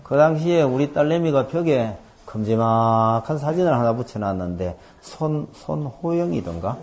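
A middle-aged man preaching a sermon as a pastor, telling stories and acting out dialogue with sudden loud outbursts. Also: medium pitch, expressive, moderate pace.

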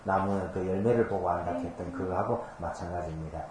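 The recording is roomy and very noisy. A pastor with a deep voice and steady tone talks fast, delivering a conversational Bible-teaching sermon that patiently explains scripture with homely examples and rhetorical questions.

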